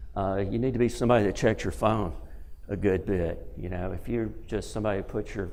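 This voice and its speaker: This man has a Southern US accent and fairly even intonation. Audible room echo surrounds his voice. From Alabama. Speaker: pharmacist with Parkinson's. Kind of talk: lecture. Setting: presentation to audience.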